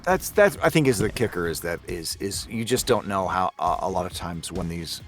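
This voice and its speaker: A man's voice: sits low, lively intonation, moderate pace, faint music behind. A man speaking as a guest voice actor in a casual podcast chat, hesitant and meandering, a little self-deprecating.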